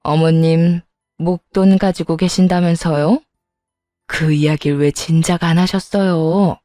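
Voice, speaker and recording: Woman as money-grabbing sister-in-law, pushy and brazen, mellow dark voice, dry close sound. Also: sits low, fairly even intonation, unhurried, dry recording, soft background music, pitched below the performer's own voice. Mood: wheedling. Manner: sugary then brazen and demanding. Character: greedy scheming older sister-in-law, woman.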